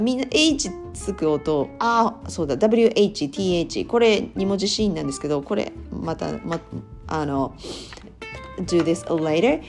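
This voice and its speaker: A woman's voice: medium pitch, fairly bright tone. A woman from Japan explaining English sounds in a chatty, casual way, laughing often and sounding out words. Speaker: English pronunciation podcaster.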